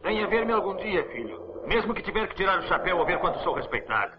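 An old prospector who has settled as a village medicine man, easy and pleased with himself. He talks through soft chuckles, a little high. The sound is dull and lo-fi, from a dubbed film, with loud orchestral music. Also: very animated, fast. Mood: contented. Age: older. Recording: lo-fi film clip with loud score.

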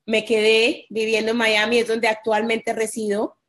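A woman's voice: fairly high pitch, monotone, moderate pace. A woman in her forties from Colombia, a guest in an interview, telling her personal story candidly.

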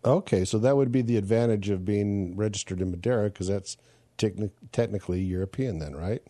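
A man from the United States hosts an interview in a low, mellow voice. He asks curious questions and tells relaxed stories. The sound is dry and close. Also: fairly quick, no echo. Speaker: podcast host. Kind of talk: casual interview questions and anecdotes.

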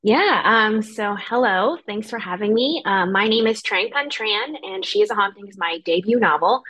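A woman's voice: mid-range voice, lively intonation, moderate pace, fairly bright tone, breathy edge, rough recording. A woman speaking as an author guest in a casual interview, informal and conversational. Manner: informal, frequent "you know" and "like". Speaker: podcast guest, debut novelist.

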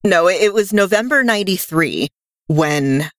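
A woman co-hosting a podcast in casual chat, chatty and full of quick asides. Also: on the low side, expressive, fairly bright tone, no echo, studio quality. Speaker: podcast co-host.

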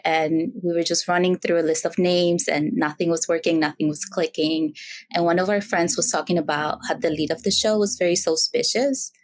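A woman in her thirties from the Dominican Republic, a podcast guest chatting casually and telling stories with fillers and easy laughs. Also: fairly low pitch. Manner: relaxed storytelling with fillers and laughs. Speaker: podcast guest, quilter and teacher. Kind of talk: casual interview chat.

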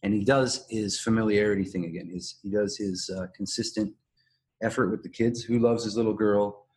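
Male podcast host, lowish voice, casual analytical recap, explanatory delivery. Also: steady tone, normal speed, a little mellow.

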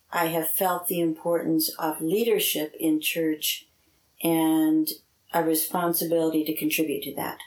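A woman's voice: deep voice, a little mellow, reverberant, rough recording. A woman in her seventies giving reflective answers in an interview. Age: 70s. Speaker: interviewee, lay church member.

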